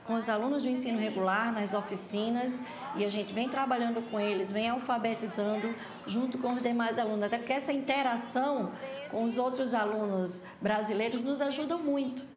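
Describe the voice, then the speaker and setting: A woman's voice: on the high side, fairly quick, roomy sound, background noise. A woman on school staff with a Brazilian accent, explaining her work earnestly in a documentary interview. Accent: Brazilian Portuguese.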